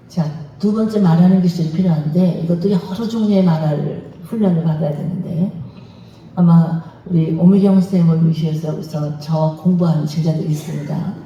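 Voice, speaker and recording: A woman giving a lively, lecture-style sermon on marriage in a large church hall, acting out little dialogues and having the congregation repeat phrases after her. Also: fairly low pitch, a little hiss or hum. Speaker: guest speaker at a church revival meeting. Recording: dull, very echoey hall, mic at a distance.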